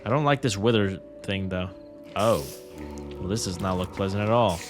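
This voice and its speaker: A man's voice: low voice, moderate pace, over music. A young man casually commenting on his gameplay, rambling and joking with viewers. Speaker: gaming creator. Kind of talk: let's play commentary.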